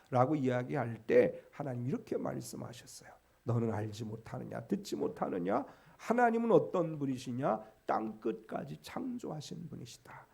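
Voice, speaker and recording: Male pastor, sermon, high animated voice, mellow gravelly tone. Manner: preaching with emphatic rises, quoting scripture aloud.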